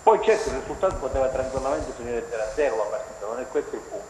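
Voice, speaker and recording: Calling in to a televised sports program, this man talks sports casually in a meandering way, often restarting and filling gaps. He has a mid-range, darkish voice and speaks in an animated, rapid-fire burst. The audio carries the echo and hiss of a phone connection.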